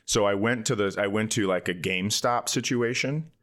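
A man's voice: fairly low pitch, normal speed, a bit bright. A man hosting a comedy podcast, bantering casually in a playful, joking and crude way. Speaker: podcast host.

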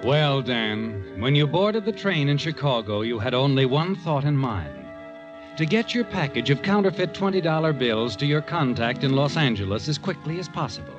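A man's voice: medium pitch, lively intonation, normal speed, muffled recording, music in the background, natural voice. A male actor as the sly, taunting narrator of a 1940s radio crime drama, addressing the character in a knowing, insinuating way. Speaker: host and narrator.

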